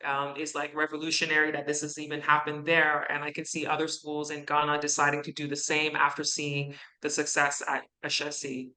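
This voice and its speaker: A woman's voice: low voice, completely flat delivery, brisk, few pauses, bright, forceful tone, rough recording. A woman from Canada, a guest speaker in a university classroom, answering student questions in a conversational way with fillers and asides.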